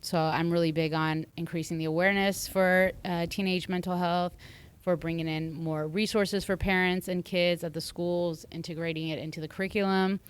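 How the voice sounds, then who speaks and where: A woman's voice: on the low side, steady tone, normal speed, clean tone. A woman therapist from the US talking on a podcast panel, thoughtful and hesitant with frequent fillers. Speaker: marriage and family therapist. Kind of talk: casual panel chat.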